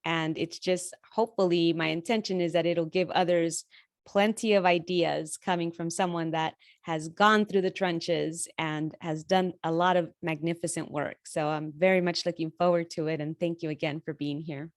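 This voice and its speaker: A woman's voice: on the low side, fairly even intonation, moderate pace, no room sound, studio quality. A woman hosting a podcast interview, gracious and effusive, asking long winding questions. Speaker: podcast host.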